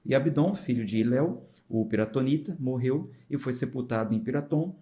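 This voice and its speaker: Mellow-voiced São Paulo pastor. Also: male voice, mid-range voice, moderate pace. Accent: São Paulo Portuguese. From São Paulo, Brazil. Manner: conversational, explains with informal asides to viewers. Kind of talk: Bible reading with explanatory commentary.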